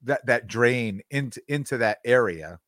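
A man's voice: medium pitch, expressive, a little slow, a bit bright, no echo, clean studio sound. A middle-aged man co-hosting a podcast, telling long casual stories with lots of false starts and restarts. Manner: rambling storyteller with many restarts. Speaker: podcast co-host.

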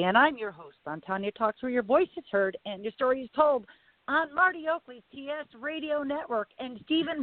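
A woman hosting a live talk radio show in a low, raspy voice, speaking deliberately and leaning on phrases for emphasis. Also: dry recording. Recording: tinny phone-line radio audio.

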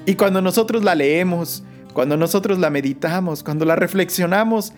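A woman leading a Christian prayer meditation in the soothing, unhurried manner of a sleep story narrator, pausing between short phrases. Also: lowish voice, darkish tone. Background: music.

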